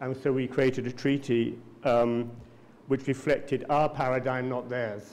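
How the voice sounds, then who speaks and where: Monotone, flat intonation comes with an English accent. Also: man. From England. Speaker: economist. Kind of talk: lecture.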